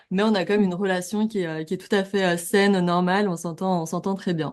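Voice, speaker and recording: Against a quiet background, a woman speaks at a medium pitch with fairly even intonation. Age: 20s. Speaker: podcast host. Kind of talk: interview testimony. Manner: hesitant, many fillers.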